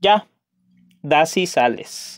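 A man with a Mexican accent speaks at a very slow pace. The background is quiet. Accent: Mexican Spanish accent in German and English. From Mexico. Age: 30s. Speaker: YouTuber, German learner. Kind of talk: language practice monologue. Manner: halting, with fillers. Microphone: webcam.

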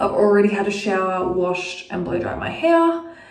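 A woman talks at a moderate pace, and audible room echo is present. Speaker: beauty vlogger. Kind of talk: casual vlog chat. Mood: relaxed, chatty. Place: bathroom. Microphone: phone near.

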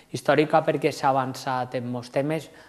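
A man talks at a moderate pace in a Valencian accent. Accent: Valencian Catalan. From Valencia region, Spain. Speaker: mayor; interviewee. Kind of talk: interview. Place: studio.

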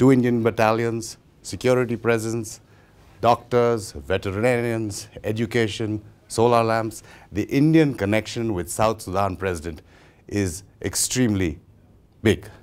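The pace is moderate, broken by long, frequent pauses. Pitch varies in an ordinary way. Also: man, medium pitch for a man. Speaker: journalist. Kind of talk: interviewer questions. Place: office.

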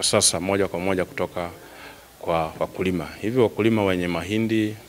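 There is light background noise as a man speaks with fairly even intonation. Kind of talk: interview answer. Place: hall. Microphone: handheld.

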